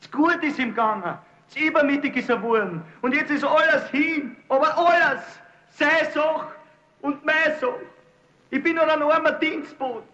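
Brief: an indignant poor servant, high, scolding; dull old film sound. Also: male voice, a little slow, a bit bright. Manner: scolding, blustering.

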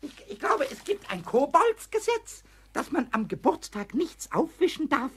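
A very high, wildly swooping voice of a small childish kobold in a children's radio play. The kobold is stubborn and excitable, whining, stammering and exclaiming with mischief. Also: moderate pace. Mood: wheedling. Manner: stammering, whiny, exclaiming, repeats words. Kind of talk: German children's audio drama acting.

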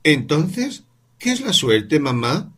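A man voicing an eager, questioning young boy in an audiobook reading, pitching high with rising questions. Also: big pitch swings, takes it slowly, fairly bright tone, slightly rough, heavily acted. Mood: insistent. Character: curious insistent young boy.

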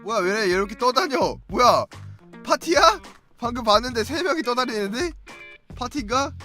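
A man's voice: very high voice, expressive, moderate pace, bright, forceful tone. A young man giving playful, teasing commentary over his own gameplay, breaking into sing-song taunts. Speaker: gaming YouTuber. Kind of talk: Let's Play commentary. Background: game music.

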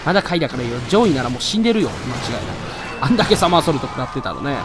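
A man giving excitable live gameplay commentary, loudly taunting and grumbling at the monster he is fighting. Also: a little high, racing, noisy background. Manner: excitable, trash-talks the monster with rough taunts. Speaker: let's play commentator. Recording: loud game music behind voice. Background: game music.

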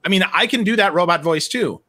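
Higher-voiced guy co-hosting a live chat, blunt, lots of quick asides, on a video call. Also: sharp tone. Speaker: co-host. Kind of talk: casual live-stream chat.

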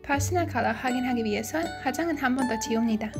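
A woman's voice: fairly high pitch, fast talker, over music. A young woman narrating a beauty vlog as a voice-over. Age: young adult. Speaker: beauty vlogger.

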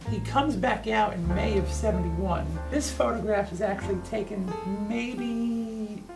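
A man's voice: high voice, unhurried, creaky, recorded from a distance, low-quality recording. A man in his thirties, an archivist, eagerly explaining and telling stories in an interview. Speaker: archivist and guide. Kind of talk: enthusiastic storytelling interview. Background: music.

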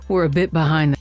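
A woman audiobook narrator in studio outtakes, breaking into giggles as she reads. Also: a little high. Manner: giggling, breaking up mid-line. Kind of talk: studio outtakes, reading and laughing.

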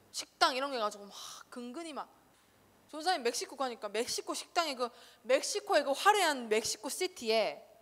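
High-voiced woman preaching to kids, bouncy and full of questions, church hall echo. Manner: animated, quizzes listeners with rhetorical questions. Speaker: children's ministry preacher. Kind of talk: casual sermon to children. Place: church sanctuary. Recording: long reverb of a church hall.

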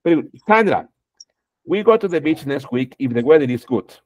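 A man's voice: a little high, big pitch swings, fairly quick, a little mellow, no room sound. A middle-aged man teaching English online, correcting students patiently and repeating "okay" through a headset. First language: Spanish. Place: home room, indoors.

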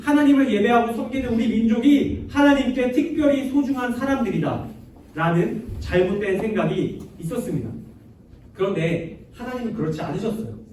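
A young male youth pastor gives a playful, chatty sermon full of jokes. His voice is very high for a man. The sound is heavily echoey, caught from a distance with faint noise in the background. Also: a little mellow. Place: church sanctuary.

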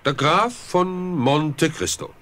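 An actor playing a mysterious count, also disguised as a priest, who speaks in a measured, polite and controlled way in a radio play. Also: male voice, fairly high pitch, lively intonation, fairly bright tone. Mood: warm, guarded.

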